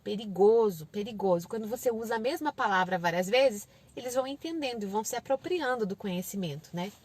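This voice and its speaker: A woman with a high, bright voice talks casually to parents about raising small children. She is animated, often switching into a sing-song voice as if speaking to a toddler, then back to an explaining tone. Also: fast talker, slightly rough. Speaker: parenting channel host. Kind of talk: casual advice talk to parents.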